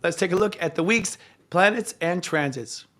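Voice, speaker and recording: A man with a hoarse voice, hosting a live astrology show in a chatty way, with frequent fillers and self-corrections. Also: high voice, moderate pace, fairly bright tone.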